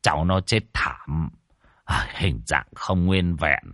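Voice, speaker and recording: Man doing a halting, sorrowful village uncle. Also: very deep voice, a bit bright, no echo, clean studio sound, exaggerated voice. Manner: slow, halting, many fillers. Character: middle-aged village man, sorrowful and deferential.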